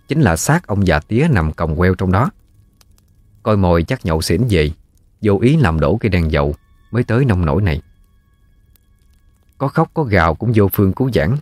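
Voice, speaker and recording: A man with a Southern Vietnamese accent narrating a ghost story in a folksy, unhurried way. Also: sits low, no room sound.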